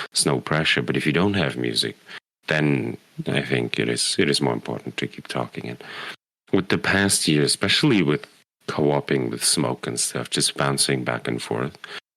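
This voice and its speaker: A man with a non-native accent and a very deep, low pitch, bright and sharp in tone, with vocal fry, ordinary pitch variation and a moderate pace. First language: not English. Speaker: streamer. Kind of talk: casual chat.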